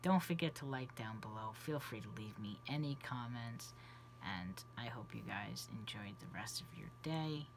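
A man's voice: medium pitch, animated, normal speed, vocal fry, a little hiss or hum. A trans man in his thirties whose voice is changing on testosterone, chatting casually to camera in a small bedroom and often trailing off into a near whisper. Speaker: vlogger. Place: small cluttered bedroom indoors. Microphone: camera close at face level.

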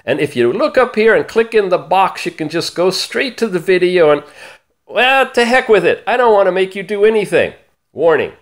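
An animated man with a slightly high voice presents gadget news as a channel host. His pitch swings widely, and he stretches key words with theatrical emphasis. The delivery is upbeat and showy. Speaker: host of a smartwatch review channel.

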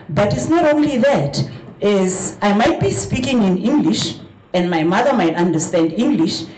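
A middle-aged woman with a South African accent gives an emphatic conference talk, often doubling words to stress a point. Her voice sits low and mellow. She speaks into a handheld mic, and the sound rings around a large vaulted hall. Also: a little hiss or hum. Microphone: handheld mic at a lectern, room recording. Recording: echoey hall.

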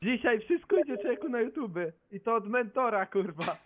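A man's voice: very high-pitched, big pitch swings, fairly quick, crowd noise. A man gamer taunting and insulting others in a heated voice chat. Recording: dull voice chat over other talkers.

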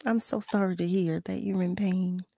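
A woman in her forties hosting a radio talk show, chatty and quick to jump in, speaking into a studio mic. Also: lowish voice, fairly even intonation, vocal fry, mellow, no room sound. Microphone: headset with studio mic.

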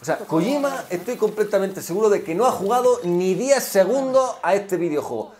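A man's voice: high voice, expressive, normal speed, a little mellow. A young man giving sarcastic reaction commentary, mocking everything with exaggerated mock delight. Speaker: youtuber reacting to a game demo.

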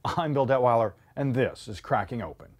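A man in his thirties hosting a scripted tech teardown show, speaking clearly and emphatically from an indoor studio set. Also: medium pitch, brisk, a little mellow. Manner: clear, emphatic presenter delivery.

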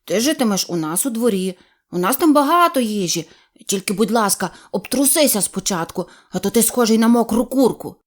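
A boastful little duckling hero of a storybook, played by a woman reader, proud and bossy. His voice sits a bit high and bounces lively through each line. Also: a little fast. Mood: friendly.

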